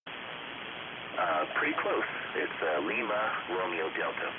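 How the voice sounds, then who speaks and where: A man's voice: low voice, slow pace. A man chatting casually as an amateur radio operator, heard through a fading shortwave radio transmission. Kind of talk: casual ham radio contact. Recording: very noisy, hissy narrowband shortwave radio.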